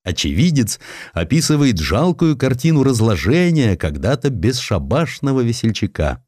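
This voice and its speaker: A man narrating a historical audiobook dramatically and theatrically, with deliberate pauses. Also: medium pitch, sing-song, a little mellow, no echo, clean studio sound.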